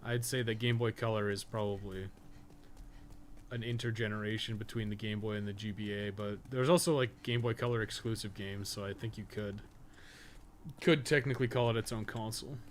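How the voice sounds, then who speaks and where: Brisk and steady, with a lowish voice, a man rambles through casual, wry, profane chat on a live game stream. He's a streamer and podcast co-host, and game audio noise sits behind him.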